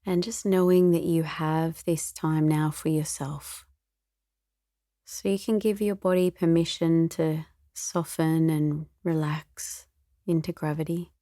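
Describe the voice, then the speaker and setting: Gentle and unhurried, a woman meditation teacher talks listeners through a guided meditation in a soft, low voice that sometimes becomes breathy. Her intonation is fairly even, and the studio-quality recording has no echo.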